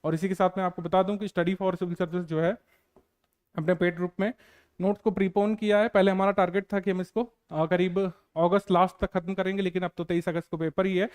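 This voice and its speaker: A male coaching teacher lectures students on exam preparation in an earnest, repetitive way, dotted with filler sounds. His voice sits high and comes across clean and smooth. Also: darkish tone.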